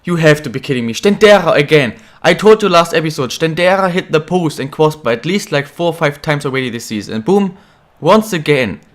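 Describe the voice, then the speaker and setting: Young guy a bit sick, voice a little off, higher pitched, rambling over his football game and yelling at goals. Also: brisk. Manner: chatty, excitable at goals. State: slightly ill, voice a bit off. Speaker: gaming channel host. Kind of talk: casual gameplay commentary.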